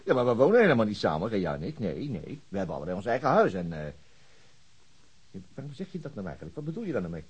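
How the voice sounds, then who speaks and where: Flustered husky middle-aged father. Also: on the low side, big pitch swings, darkish tone. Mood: taken aback. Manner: hesitant, halting. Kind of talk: Dutch radio drama dialogue.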